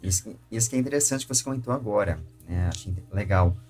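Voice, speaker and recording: A man's voice: fairly low pitch, fast talker, a little mellow, soft background music. A man hosting an interview in a conversational style, asking questions and commenting on the answers. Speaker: interview host.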